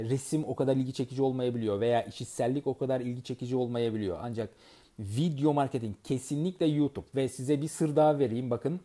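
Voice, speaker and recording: A man with a mellow, warm voice speaks to his audience as a network marketing trainer. He talks in an earnest, advising way at a middle pitch. He often pauses with fillers and starts words over. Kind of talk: advice monologue to an audience.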